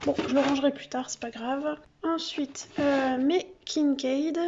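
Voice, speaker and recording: A woman's voice: high voice, darkish tone, lo-fi sound. A woman vlogging casually from her home office. She chats as she shows her collection, with many fillers and self-corrections. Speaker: craft vlogger. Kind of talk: casual show-and-tell vlog. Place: home office under yellow artificial light.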